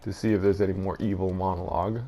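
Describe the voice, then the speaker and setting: A man's voice: sits low, flat delivery, fast, mellow. A man giving casual, unscripted game commentary, thinking aloud in a hesitant way. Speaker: gaming video host.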